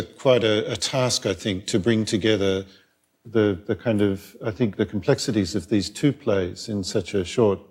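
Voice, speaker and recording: A low-voiced man with an Australian accent moderates a theatre panel. He asks long, rambling questions, often hesitating with ums and rephrasings. He speaks on a microphone at a public event. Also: a little mellow.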